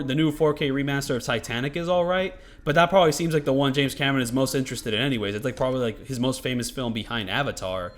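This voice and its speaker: A man giving casual, rambling commentary over gameplay, loose and profane, with lots of filler words. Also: medium pitch.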